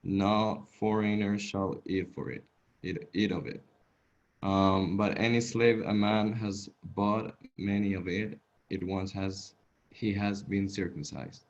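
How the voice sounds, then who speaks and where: A man's voice: deep voice, fairly even intonation, slow pace. A man with a non-native accent reading a scripture passage aloud to a study group over a video call, stumbling and repeating words. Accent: non-native English. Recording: dull, lo-fi video call audio.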